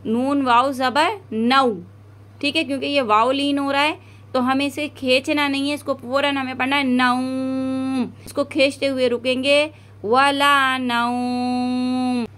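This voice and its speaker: A woman with a South Asian Urdu accent teaches Quran recitation step by step, drawing each word out slowly as a model before explaining quickly. Her voice sits high with little pitch movement and a fairly bright tone.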